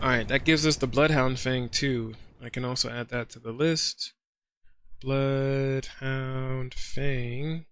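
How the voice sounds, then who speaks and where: A man's voice: medium pitch, moderate pace, few pauses, a bit bright, dry recording. A man streaming a video game, chatting casually in an easygoing, rambling way. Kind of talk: casual livestream commentary.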